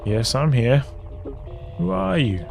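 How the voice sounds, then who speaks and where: A man's voice: medium pitch, very animated, slow, vocal fry, over music, full character voice. A man reading the part of a reckless, hopeful female space scientist in a visual novel. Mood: curious, relieved.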